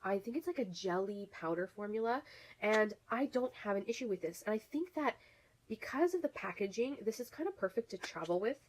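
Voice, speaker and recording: A woman's voice: mid-range voice, expressive, brisk, slight background noise, poor audio. A woman vlogger chatting casually through makeup reviews, full of fillers and restarts, while getting over a cold. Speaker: beauty vlogger.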